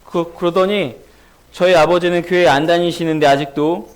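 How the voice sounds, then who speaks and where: A man's voice: fairly high pitch, normal speed, clean tone. A man, a children's pastor, giving a sermon at a children's church service. He tells stories and keeps asking the kids questions. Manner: animated storytelling that asks children questions.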